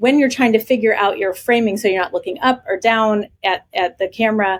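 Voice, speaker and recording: At a moderate pace, a woman talks with fairly even intonation at a fairly high pitch. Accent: slight New Jersey. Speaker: video presence expert. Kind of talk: podcast interview. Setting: video call.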